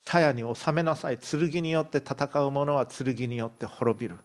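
Solemn gentle teacher voiced by a man preaching, slow and grave. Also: medium pitch, natural voice. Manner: solemn, pleading prayer.

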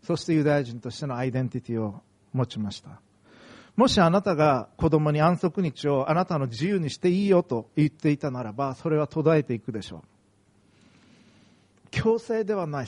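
A man's voice: a little high, darkish tone. A middle-aged man from Okayama preaching a sermon, earnest and emphatic, telling personal stories. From Okayama, Japan. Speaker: pastor.

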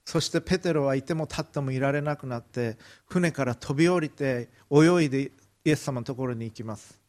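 Japanese pastor retelling a Bible story. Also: male voice, medium pitch, fairly quick, a little mellow. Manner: vivid retelling, briefly acting out quoted lines. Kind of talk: sermon storytelling.

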